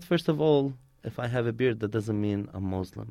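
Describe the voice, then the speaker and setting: The speaker is a man at medium pitch. He has an Arabic accent. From Palestine and Jordan (Bethlehem, then Amman area). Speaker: community organizer. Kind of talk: radio interview. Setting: studio.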